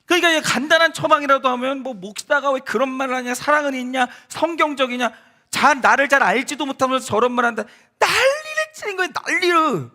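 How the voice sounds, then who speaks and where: A man's voice: very high-pitched, fairly quick. A male pastor giving a sermon in a conversational, storytelling way, speaking straight to the congregation and acting out the people in his stories. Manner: animated storytelling, acts out quoted voices; conversational, addresses congregation directly. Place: church sanctuary.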